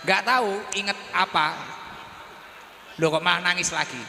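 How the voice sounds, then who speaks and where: A man's voice: high voice, moderate pace, creaky, bright, forceful tone. A man, a preacher who chats with and teases people in the crowd of a religious gathering, speaking into a handheld mic. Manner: chatty, teasing, questions people in the crowd. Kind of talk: lively crowd interaction and sholawat chanting. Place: large venue with a congregation. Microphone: handheld microphone. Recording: echoey hall with faint noise.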